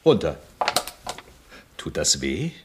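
A man's voice: very deep voice, sing-song, background noise, full character voice. A man playing a puzzled older head physician examining a patient, in a radio-play clip. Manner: puzzled, clinical, slow.

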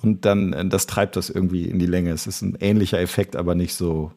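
A man with a German accent, co-hosting a podcast, telling an anecdote in a relaxed, meandering way. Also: sits low, a little fast. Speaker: podcast co-host. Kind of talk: casual podcast chat.

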